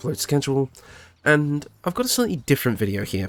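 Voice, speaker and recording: A man is speaking. Music plays in the background. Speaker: gaming build guide creator. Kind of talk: casual talk to viewers.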